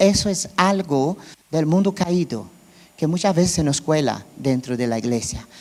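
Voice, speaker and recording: A man speaks at a fairly slow pace in a high voice, with lively intonation. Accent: Portuguese. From Brazil. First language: Portuguese (speaking Spanish). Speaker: Bible class teacher. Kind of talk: Bible teaching.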